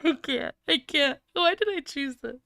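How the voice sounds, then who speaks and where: A woman's voice: sits high, animated, moderate pace, vocal fry, fairly bright tone, no room sound, studio quality. A woman streamer reading fan fiction aloud and chatting casually, in a giggly, easily flustered manner. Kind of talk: live fanfiction reading with casual chat.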